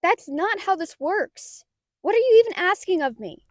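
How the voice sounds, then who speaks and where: A woman's voice: very high voice, expressive, moderate pace, no room sound, studio quality. A woman playing a casual, friendly female novelist in an audio drama, with an informal, slightly hesitant way of talking. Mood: defiant, alarmed. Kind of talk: naturalistic audio roleplay acting.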